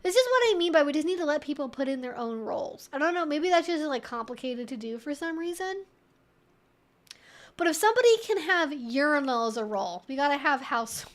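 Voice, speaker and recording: High voiced woman hosting a casual livestream, chatty, opinionated, bit wry, thinks out loud. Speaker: live stream host. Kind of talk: casual live Q&A chat, thinking aloud.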